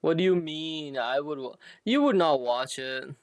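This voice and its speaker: A man's voice: on the high side, a little slow, dry recording, clean studio sound. A man chatting casually and a little hesitantly to viewers while live streaming a game.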